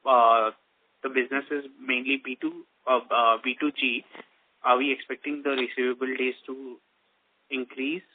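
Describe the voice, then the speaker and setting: Male analyst on a dry phone line, mid-pitched, halting, repeating himself as he frames questions. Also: dry recording. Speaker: investment analyst asking questions on an earnings call. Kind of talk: halting question-and-answer on a conference call.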